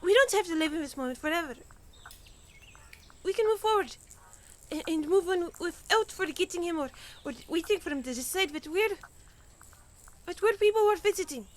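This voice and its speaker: Woman acting very high-voiced, chatty young princess. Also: lively intonation, normal speed, pauses often. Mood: earnest, pleading. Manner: rambling, emphatic, stammering. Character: young princess, chatty, earnest, coaxing her sibling. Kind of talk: fiction podcast acting.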